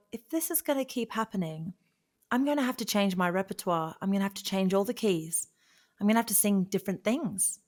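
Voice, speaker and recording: A woman speaking as an interview guest, telling personal stories in a casual, conversational and animated way. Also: medium pitch. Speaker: guest, singer and vocal coach.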